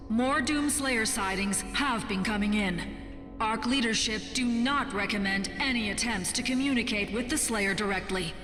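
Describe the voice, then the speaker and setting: A calm, official apocalypse announcer voiced by a woman with a slightly high voice. She reads a measured game emergency broadcast in formal, cautionary tones, trailing long reverb over music. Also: lightly acted. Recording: echoing public-address broadcast with long reverb.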